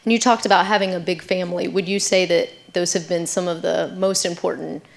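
A woman's voice: on the low side, steady tone, fairly quick, gravelly. A woman in her thirties interviewing an honoree onstage, friendly and encouraging, on a handheld mic. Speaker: event interviewer.

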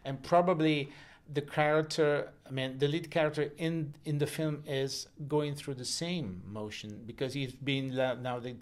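A man's voice: a little high, fairly even intonation, moderate pace, hardly any pauses. A man interviewing guests in a festival press room, searching for words and repeating himself, holding a handheld mic.

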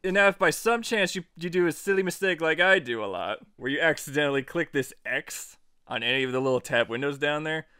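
Higher-voiced man giving a casual tutorial. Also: lively intonation, brisk, pushed and bright, smooth, dry recording, clean studio sound. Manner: jokey, informal, playfully emphatic. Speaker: software tutorial host. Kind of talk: casual tutorial narration over screen recording.

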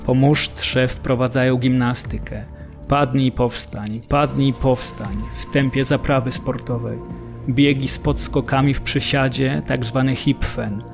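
A man's voice: medium pitch, fairly even intonation, measured pace, vocal fry, music in the background. An actor playing a male camp prisoner who describes punishing drills in a documentary radio play. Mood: grim. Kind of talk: dramatised documentary narration of survivor testimony.

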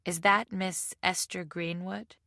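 A woman's voice: lowish voice, fairly even intonation, slow pace, gravelly, bright, forceful tone, no room sound, studio quality, pitched above the performer's own voice, heavily acted. A woman voicing a polite foreign man with a slight foreign accent, speaking formally and carefully in an audiobook.

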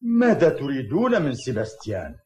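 A man playing a gruff, protective old grandfather in a dubbed cartoon. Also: mid-range voice, huge pitch swings, fairly quick, darkish tone. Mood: defensive. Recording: echoey, slightly dull audio.

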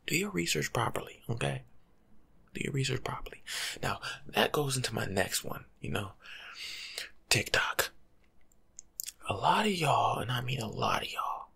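A young American man speaks in soft ASMR tones, half-whispered and very breathy. His voice is gravelly and swings animatedly up and down as he lectures in casual, teasing slang. He sounds close to the microphone. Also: lowish voice. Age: young adult. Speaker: ASMR creator playing a life coach. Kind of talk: soft-spoken ASMR, casual advice monologue. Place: small home room, seated indoors.

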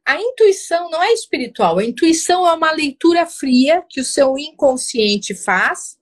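A woman's voice: high voice, a bit bright. A woman relationship coach giving firm, assertive advice to a caller, often checking in with short asides. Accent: Brazilian Portuguese.

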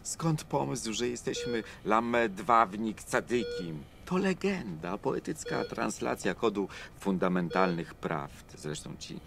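Deep-voiced, emotive older monk. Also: male voice, sing-song, slow pace, vocal fry, hardly any pauses, full character voice. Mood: reflective. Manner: eloquent, emotive, swinging from hushed to exclaiming. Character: devoted older monk, godfather and uncle, wise, emotional. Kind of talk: radio drama acting.

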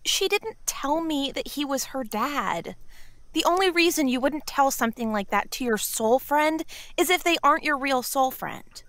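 A naive, wounded young woman in a podcast drama. Her highish voice is plaintive and earnest, recorded dry and close. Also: animated, moderate pace, a bit bright, no room sound. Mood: hurt. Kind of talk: audio drama acting.

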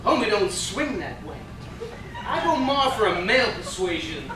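A man's voice: high voice, sing-song, normal speed. A man playing a flamboyant, sassy, self-pitying gay werewolf in a staged comedy reading, full of campy pet names. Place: indoor stage, recorded from the audience by far camera. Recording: distant, echoey theater, noisy background.

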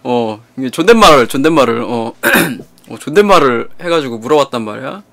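Bright, lively young man telling a story. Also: mid-range voice, brisk, vocal fry. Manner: animated, repetitive, profane retelling. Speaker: streamer. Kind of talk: casual storytelling to viewers.

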